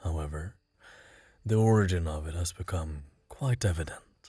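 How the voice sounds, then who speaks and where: A man uses a put-on character voice with a very deep, low pitch. He is soft-spoken and speaks at a fairly slow pace. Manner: soft, flirtatious.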